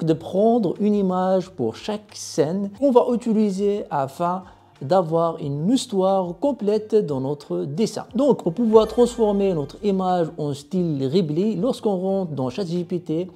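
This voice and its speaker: Very dark, mellow tutorial voice. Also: mid-range voice. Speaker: tutorial presenter. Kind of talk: explanatory tech tutorial narration.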